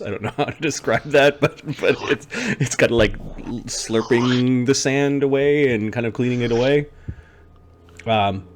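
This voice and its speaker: Male game master, fairly deep, casual improvised tabletop narration with halting phrasing. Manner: halting, searching descriptions.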